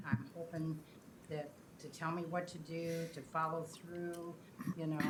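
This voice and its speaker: The speech comes at a fairly slow pace with monotone, flat intonation. Audible room echo and noticeable background noise are present. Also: woman. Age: 70s. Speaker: resident giving public comment. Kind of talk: public comment at council meeting. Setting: council chambers.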